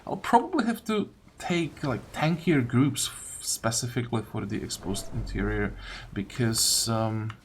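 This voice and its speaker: A man's voice: medium pitch, lively intonation, unhurried, a little hiss or hum. A man giving casual video game commentary, grumbling and thinking aloud as he plays. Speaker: gaming video host.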